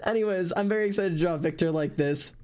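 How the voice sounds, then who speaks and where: An excitable streamer and artist chatting casually on a live stream. The talk rambles, full of restarts and offhand swearing, at an ordinary middle pitch. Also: fast, clean tone. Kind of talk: casual chat.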